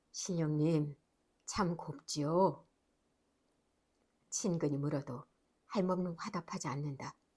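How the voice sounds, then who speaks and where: Her pitch is very deep and low, and the woman's voice is somewhat breathy. She speaks at a very slow pace, with long, frequent pauses. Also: ordinary pitch variation. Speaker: voice actor, audiobook reader. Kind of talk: literary audiobook reading of a short story.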